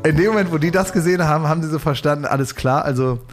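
A man's voice: a little high, rapid-fire, over music. Man with dry joking asides. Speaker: podcast host. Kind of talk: casual chat.

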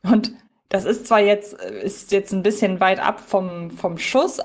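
Female podcast co-host, medium-pitched, casual review chat, wordy and reflective with digressions. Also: fairly even intonation, takes it slowly.

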